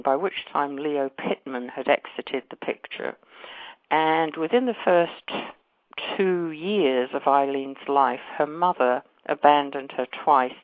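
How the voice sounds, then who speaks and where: A woman with a faded London accent, speaking as an author guest. Her voice has a gravelly, fried edge, and she talks in a chatty way, correcting herself and laughing easily. The sound is dry and tinny, like a phone call. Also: low-pitched, dry recording. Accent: London English, faded. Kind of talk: phone interview.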